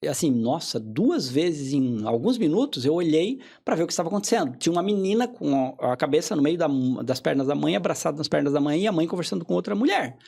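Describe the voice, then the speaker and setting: A man, a hypnotherapist guest on a podcast interview, explaining in a calm, teaching way and often checking in with short tag questions. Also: a little high, quick pace, creaky, few pauses, breathy edge.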